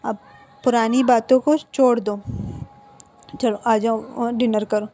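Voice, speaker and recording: Woman doing sweet coaxing grandma, soothing, warm fairly high voice. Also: fairly even intonation, slow. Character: gentle caring grandmother, coaxing.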